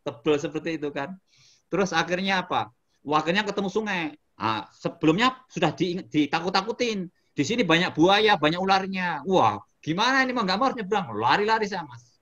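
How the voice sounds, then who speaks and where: A middle-aged man from Indonesia, a motivational speaker telling a story in a casual interview, animated and breaking into sudden shouts. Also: sits high, fairly quick.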